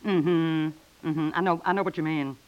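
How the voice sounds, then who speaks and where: A woman's voice: sits low, steady tone, normal speed, darkish tone, lightly acted. An actress playing an agreeable, knowing neighbor in a 1950s radio comedy, emphatically repeating her agreement. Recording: muffled, very hissy old radio recording.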